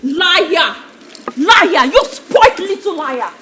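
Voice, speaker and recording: A woman playing a shrill, accusing rival co-wife. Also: sing-song, fast talker, very noisy. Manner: shrill, accusing, shouting insults.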